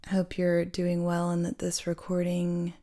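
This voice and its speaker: A woman speaking as a meditation guide, giving gentle, hushed spiritual instruction with pauses. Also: fairly low pitch, completely flat delivery. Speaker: meditation guide and sound healer.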